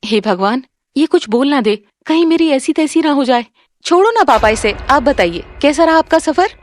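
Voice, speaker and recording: A woman voicing a cruel, scolding middle-aged stepmother in an animated story. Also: high voice, normal speed, dry recording, clean studio sound, pitched above the performer's own voice. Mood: falsely sweet. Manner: scolding, sneering.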